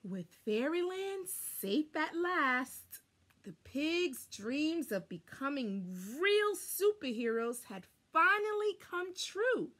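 A woman in her thirties reads a children's story aloud. Her voice is high and swings widely in pitch, and she goes very slowly, with dramatic pauses and emphasis. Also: a bit bright. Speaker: storybook reader. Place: small furnished room at home, indoors.

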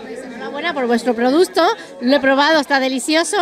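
A woman's voice: sits high, quick pace, some chatter behind. A middle-aged woman reporting from a lunch event with a handheld mic, chatty and effusive. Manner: chatty, effusive, self-aware talker. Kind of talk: event interview. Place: busy restaurant event indoors.

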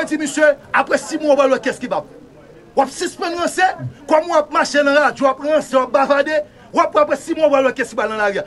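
A man with a Haitian accent, a panel guest giving fervent political talk, repetitive and now and then rising to a shout. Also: extremely high pitch.

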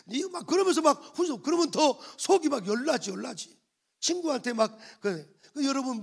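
A man's voice: very high voice, gravelly, husky. A male pastor preaching a sermon, emphatic and repetitive as he prods the congregation for answers and amens. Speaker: senior pastor. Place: church sanctuary.

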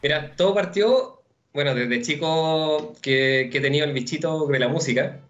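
Young chilean dude on a video call from home, kinda high voice, rambly, dull lo-fi sound w faint music. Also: male voice, normal speed. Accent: Chilean Spanish. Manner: relaxed, rambling, many fillers and restarts. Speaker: musician guest. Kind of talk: casual interview answers. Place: room at home.

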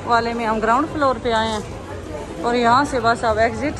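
A woman's voice: a little high, fairly even intonation, normal speed. A middle-aged woman chatting to her viewers as she walks through busy expo grounds and into a pavilion, filming on a handheld phone. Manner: chatty, exclaiming, talks to viewers while walking. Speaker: vlogger. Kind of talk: casual walking vlog narration. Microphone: handheld phone camera. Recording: crowd noise and music behind.

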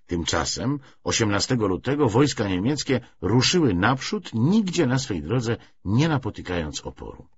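A man reading a historical novel aloud as an audiobook narrator, in an expressive, scripted literary style. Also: on the low side, moderate pace, hardly any pauses, slightly rough. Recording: dull, lo-fi audiobook recording.

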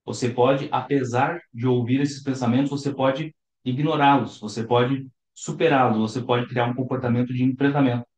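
A young adult Brazilian man, a psychologist, calmly explaining to the camera from his living room sofa. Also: mid-range voice, normal speed, reverberant. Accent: Brazilian Portuguese. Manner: calm, explanatory, gestures with his hands. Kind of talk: to-camera talk.

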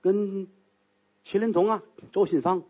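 A man's voice: high voice, fairly even intonation, a little slow, slightly rough, dull audio, pitched above the performer's own voice. A man doing a flustered, stammering opera actor. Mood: eager, polite. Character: nervous male opera actor, flustered and pleading.

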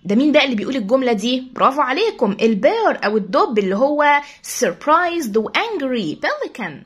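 A woman English teacher with an Egyptian Arabic accent explains a children's story quickly and reads the English sentences slowly. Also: high voice, big pitch swings, slightly rough.

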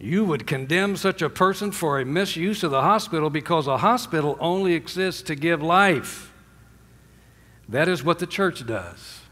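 An older man preaching a sermon from a church stage, emphatic, calling out for amens and dropping to hushed endings. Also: animated, normal speed. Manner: emphatic, swinging from loud highs to low hushed endings; asks the congregation for amens. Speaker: pastor. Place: large church sanctuary with stage and drum kit. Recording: long hall reverb.

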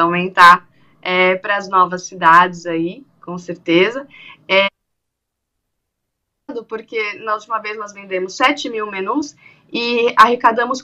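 A woman in her thirties, an event organizer, speaking animatedly on a video call during an interview. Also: medium pitch. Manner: animated, acts out quoted dialogue. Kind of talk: remote interview on radio-TV news show. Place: small room indoors. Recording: dull lo-fi video call audio.

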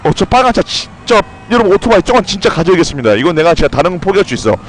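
Young dude streaming a game, voice bouncing way up and down, cursing a lot, faint traffic and sirens behind. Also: male voice, sits high, rapid-fire, poor audio. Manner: excitable, swearing, yelling at the game. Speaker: gameplay streamer. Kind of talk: live game commentary.

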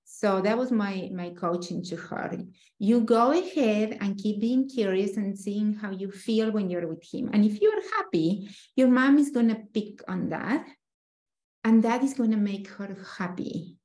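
A woman's voice: medium pitch, measured pace. A woman in her forties, a dating coach hosting, talking animatedly on a video call. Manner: animated, gestures widely. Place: room with a painting, indoors. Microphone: video call webcam. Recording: echoey room.

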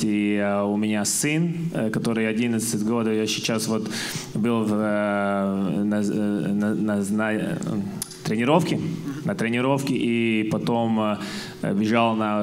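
Low-voiced man with a Latvian accent. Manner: hesitant, searching for words. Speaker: panel guest, basketball coach. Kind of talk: halting interview answers in a second language. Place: stage in a church hall. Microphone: handheld microphone.

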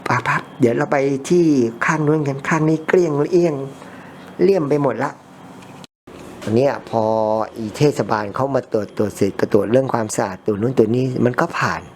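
A man talks while he cleans a customer's ears, telling long stories in a blunt, informal way. His voice sits at an ordinary middle pitch. A faint hiss lies under the recording. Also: brisk. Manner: chatty rambling storyteller, blunt informal speech. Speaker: ear cleaner chatting with a customer. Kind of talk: casual chat during ASMR ear cleaning. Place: ear-cleaning session with a customer.

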